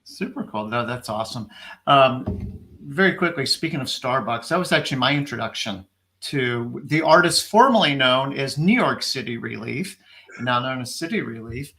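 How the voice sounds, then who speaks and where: A man's voice: medium pitch, expressive, normal speed, pushed and bright. A man hosting a casual interview, upbeat and encouraging as he asks his guest questions. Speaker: host.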